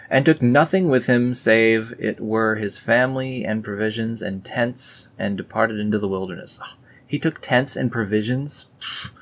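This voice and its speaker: A man's voice: fairly low pitch, a bit bright. A man reading a religious text aloud and breaking off for dry, sarcastic comments in a casual tone. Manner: sarcastic, dry asides after solemn read-aloud passages. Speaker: video host reading scripture aloud. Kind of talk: casual read-along with sarcastic asides.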